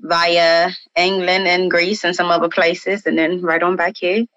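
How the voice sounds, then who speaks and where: A woman from Washington, D.C., introducing herself in a deliberate way. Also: fairly low pitch, little pitch movement, fairly bright tone, dry recording, dull audio. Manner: slow, deliberate self-introduction.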